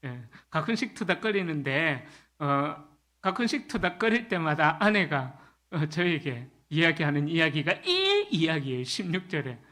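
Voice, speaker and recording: 중년 남자 목사가 금요기도회에서 회중에게 자주 동의를 구하며 대화하듯 유머를 섞어 설교한다. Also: male voice, a little high, big pitch swings, moderate pace, pushed and bright. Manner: conversational, asks the congregation for agreement; humorous, acts out quoted lines. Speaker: pastor. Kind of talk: Friday prayer meeting sermon.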